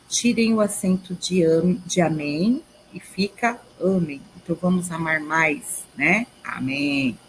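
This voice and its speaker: Woman, Brazilian Portuguese accent, teacher, video lesson, fairly low voice, faint background hum. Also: poor audio. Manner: explains step by step, often checks in with "tá?" and "ok?".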